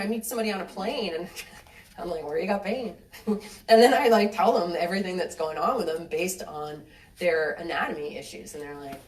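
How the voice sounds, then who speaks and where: In a cinema venue, a woman with a fairly low voice gives a live lecture and takes audience questions, chatty and animated, acting out little quoted exchanges and laughing lightly mid-sentence. A distant mic gives her a roomy hall sound.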